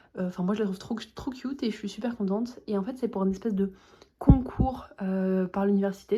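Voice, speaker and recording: A woman's somewhat breathy voice, dark and mellow in tone, at a medium pitch, with ordinary pitch variation and a fairly quick pace, on a very clean recording with a silent background. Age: 20s. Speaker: student vlogger. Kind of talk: vlog monologue. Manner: casual, frequent hesitations.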